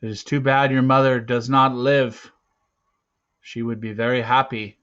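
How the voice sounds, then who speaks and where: A man's voice: mid-range voice, little pitch movement, a little slow, fairly bright tone, muffled recording, lightly acted. A man voicing a big, fierce, superstitious tribal leader in a storybook, with a declamatory delivery. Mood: grave, surprised. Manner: declamatory, exclaiming.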